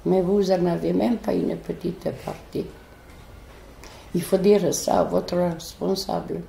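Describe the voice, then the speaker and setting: A woman with a foreign accent, telling a personal story in an animated, hesitant way, full of restarts. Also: on the low side, measured pace, vocal fry, a little hiss or hum. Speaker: interviewee, neighbourhood resident. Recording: roomy echo.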